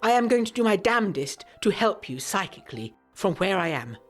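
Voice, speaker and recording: A woman's voice: mid-range voice, brisk, faint music behind. An actress playing an earnest, anxious young Englishwoman of the 1920s, reading her letter in formal, articulate English tones for a gothic audio drama. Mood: anxious, resolute. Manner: formal, articulate, expressive period diction.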